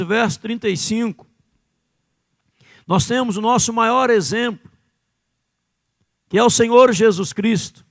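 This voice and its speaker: High-voiced, gravelly Brazilian preacher. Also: male voice, dry recording, big-room sound. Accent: Brazilian Portuguese. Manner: fervent preaching, swinging between hushed low phrases and loud cries. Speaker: pastor. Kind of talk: sermon. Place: church sanctuary.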